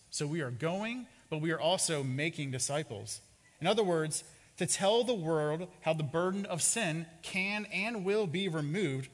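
A man's voice: on the high side, fairly bright tone. A man preaching a sermon as a pastor, telling a story and acting out its characters' lines. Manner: storytelling with acted-out quotes. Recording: long hall reverb.

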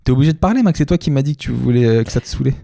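A man's voice: medium pitch, animated, very fast, vocal fry, mellow, no room sound, studio quality. A man co-hosting a couple's show in casual chat, playful and talking straight to his listeners. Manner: playful, addresses the audience directly.

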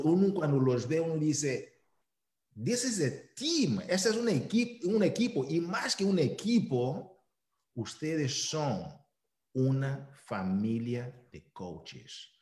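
Male host, upbeat announcer style for a team call, mid-range voice, recorded in an echoey room. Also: medium pitch. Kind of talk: introducing a guest speaker.

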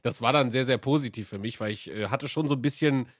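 A man's voice: mid-range voice, fast talker, no echo, clean studio sound. A man co-hosting a podcast, a streamer chatting casually and laughing easily. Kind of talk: casual chat.

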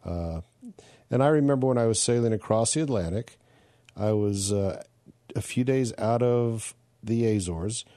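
A man from the United States hosting an interview, asking curious questions and telling relaxed stories about sailing. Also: on the low side, no room sound. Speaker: podcast host. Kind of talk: casual interview questions and anecdotes.

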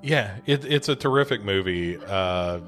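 A man's voice: fairly low pitch, animated, measured pace, a bit bright, soft background music. A man co-hosting a podcast in casual chat about movies, speaking in an earnest, emphatic way. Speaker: podcast co-host.

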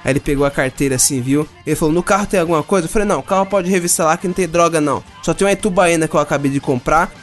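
A man's voice: a little high, rapid-fire, few pauses, soft background music. A young Brazilian man, telling a story in a casual, swearing chat and acting out the other people in it. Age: young adult. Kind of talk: casual chat, animated anecdote with slang and swearing.

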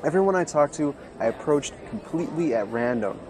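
A man's voice: a little high, animated, a little fast, crowd noise, poor audio. A man narrating a scripted report about a faith-based justice conference. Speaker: video host and interviewer.

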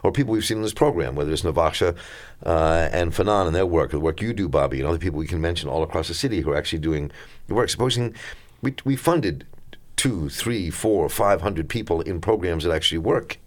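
Smooth, very deep-voiced radio host man. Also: quick pace. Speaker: radio talk show host. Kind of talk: live call-in radio talk show. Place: radio studio.

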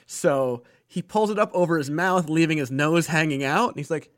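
A man's voice: on the high side, dry recording, studio quality. A man in casual podcast chat, joking wryly and laughing often as he tells a story. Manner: wry, laughs often, quick jokey asides.

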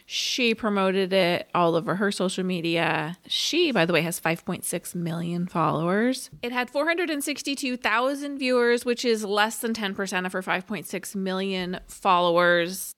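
Calm, measured woman podcast host. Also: medium pitch. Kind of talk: casual chat.

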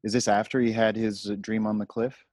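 Deep-voiced man, halting and dry-sounding. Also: little pitch movement, a little mellow, dry recording. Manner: halting, searching for words. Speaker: podcast co-host. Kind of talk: casual discussion.

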